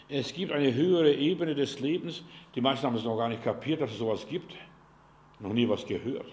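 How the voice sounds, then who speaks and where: Male preacher with mid pitch: fervent, direct and folksy, heavy on rhetorical questions, dynamic volume. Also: vocal fry, slight background noise. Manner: fervent, asks many rhetorical questions, swings between loud and quiet; folksy and direct, speaks to the listener as "du". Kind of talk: sermon.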